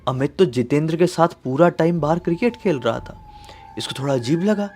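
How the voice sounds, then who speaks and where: A man's voice: a little high, animated, a little mellow, slight background noise. Man telling a spooky story. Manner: conversational, dramatic pauses. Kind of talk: horror storytelling.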